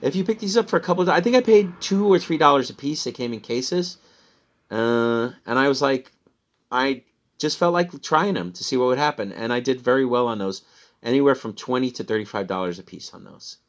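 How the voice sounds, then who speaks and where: A man with a mid-range, lively voice and a Midwestern American accent talks a little fast in a casual recap of his resale items. He's an online reseller who rambles, chats freely, and laughs at himself.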